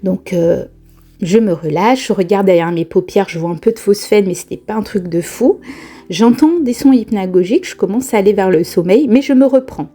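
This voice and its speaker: A woman vlogger telling a personal spiritual experience in a casual, lively way, often laughing and exclaiming. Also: medium pitch, moderate pace, soft background music. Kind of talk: casual first-person storytelling.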